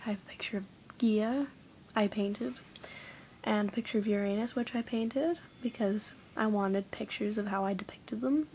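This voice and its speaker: A woman's voice: medium pitch, a little mellow, slight background noise, poor audio. A young woman vlogging at home, rambling casually with lots of fillers and often slipping into a half-whisper. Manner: chatty, rambling, many "like" fillers. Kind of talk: casual vlog chat. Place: dim room at home lit by candles.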